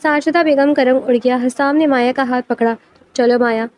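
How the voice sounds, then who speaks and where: A woman with a high voice reads a romantic novel aloud, audiobook style. Her delivery is dramatic and expressive. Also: poor audio. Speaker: narrator.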